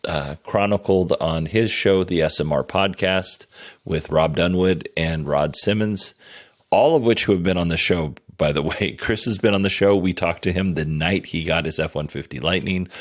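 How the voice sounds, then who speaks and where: A man hosts his own podcast with a very low voice, hoarse because he is losing it. He talks casually and rambles with plenty of fillers, apologizing to his listeners. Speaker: podcast host. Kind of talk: casual solo podcast talk.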